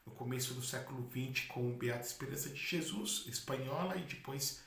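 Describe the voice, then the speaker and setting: A man's voice: medium pitch, normal speed, a bit bright. A man, a Catholic priest, preaching a sermon in a chatty storytelling manner with asides. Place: in Spain. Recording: echoey room with faint noise.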